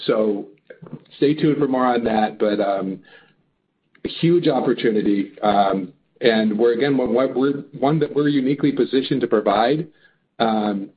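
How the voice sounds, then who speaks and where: A man answering as a company executive on an earnings call, halting but upbeat and emphatic. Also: on the low side. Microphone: phone or conference call line. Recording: muffled narrow phone line.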